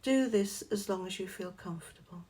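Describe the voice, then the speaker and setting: A woman narrating a scripted Christian guided meditation, giving measured, gentle instructions in short phrases. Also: medium pitch.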